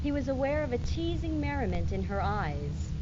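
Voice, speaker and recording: A woman performing as a storyteller in a dramatic literary reading, theatrical and expressive, on a very noisy old archive recording. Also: a little high, normal speed. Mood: teasing, theatrical. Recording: muffled, very noisy 1970s archive tape.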